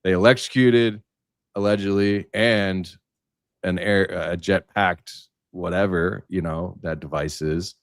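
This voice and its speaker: A man's voice: low-pitched, fairly even intonation, unhurried, no room sound, studio quality. A man talking casually in a roundtable discussion, with informal, slangy and emphatic phrasing. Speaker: livestream panelist.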